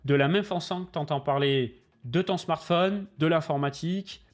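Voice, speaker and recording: A man's voice: a little high, moderate pace. A man hosting a livestream, talking casually, bluntly and animatedly, with lots of slang and swearing. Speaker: crypto channel host.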